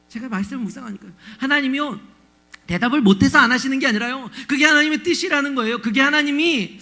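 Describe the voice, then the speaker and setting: A male pastor preaching with a strikingly high, gravelly voice and a bright, forceful tone. He talks to the congregation conversationally, often asking them questions. He swings into emotive, pleading delivery when he acts out biblical cries. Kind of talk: sermon.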